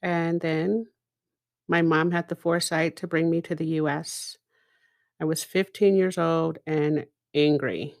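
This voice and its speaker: Slow, low-voiced woman, native Hebrew speaker. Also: fairly even intonation, vocal fry, dry recording, studio quality. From Israel. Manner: deliberate, dramatic pauses, rhetorical asides. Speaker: podcast host and speaker. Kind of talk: reflective personal monologue.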